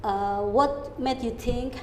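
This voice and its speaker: A woman hosts a podcast, introducing the episode and questioning her guest in an upbeat, chatty way. Her voice sits fairly high. The room adds a long, ringing reverb and a faint hiss underneath. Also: takes it slowly, warm tone. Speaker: podcast host.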